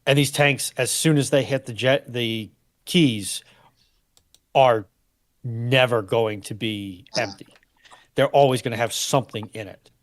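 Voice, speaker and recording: A man's voice: mid-range voice, unhurried, long pauses. Man explaining things in informal discussion. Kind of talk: informal military history discussion.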